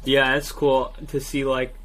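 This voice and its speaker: A man with a bright, forward voice chats easily as a podcast co-host. He sounds relaxed and laughs often, keeping the talk light. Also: medium pitch, unhurried. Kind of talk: casual sports podcast chat.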